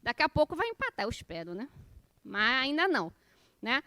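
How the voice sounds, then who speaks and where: A woman in her forties with a Rio Brazilian accent teaches a class informally. Her voice sits high and is picked up dry and close, with very little room in it. She talks colloquially, like someone telling personal stories, and keeps turning to her listeners with questions and small checks for agreement. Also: big pitch swings, a little fast, bright, forceful tone, no room sound. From Rio de Janeiro, Brazil. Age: 40s. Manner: conversational, colloquial, personal storytelling. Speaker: spiritist course lecturer.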